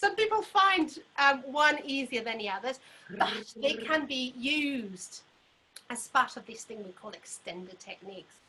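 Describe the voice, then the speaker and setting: A woman's raised, projected voice, high in pitch, at a moderate pace with very wide pitch swings and big swings in loudness, over noticeable background noise. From Portugal. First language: Portuguese. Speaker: recorder player. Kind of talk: lecture.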